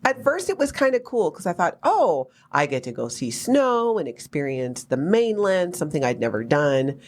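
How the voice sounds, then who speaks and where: A woman in her fifties from Hawaii, hosting a podcast and telling her own life story in a candid, wry, animated way with lots of asides. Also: sits low, normal speed. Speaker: podcast host. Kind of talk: personal storytelling chat.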